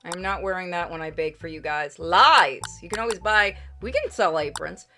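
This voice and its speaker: A woman's voice: on the low side, animated, moderate pace, bright, forceful tone. A woman gaming streamer reading visual novel text aloud and chatting casually as she plays. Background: game music.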